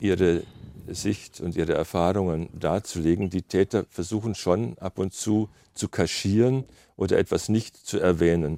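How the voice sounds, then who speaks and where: A man speaks with a very deep, low pitch and a dark, mellow tone, fairly even in intonation and fairly slow. The sound is dry and close with no echo, on a very clean recording with a silent background. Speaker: radio journalist and author. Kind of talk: interview.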